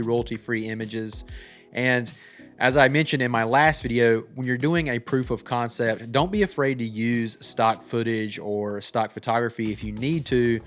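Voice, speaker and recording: A man's voice: fairly low pitch, a bit bright. A man giving a casual tutorial as a filmmaker, walking through how a short film was made. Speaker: filmmaker presenting a breakdown of their own short film. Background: background music.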